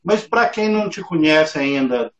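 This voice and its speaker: Guy hosting a video call chat, roomy echo, muffled audio, kinda high voice. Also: lively intonation, normal speed. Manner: friendly, eager interviewer. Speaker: host. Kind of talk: casual video-call interview.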